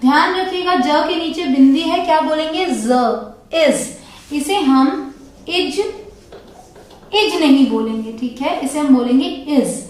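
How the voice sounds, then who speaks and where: Woman English teacher, high voice, very echoey room, slow lesson, repeats each example. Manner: spells out and repeats each example, often ending with "ठीक है". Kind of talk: slow, deliberate grammar lesson.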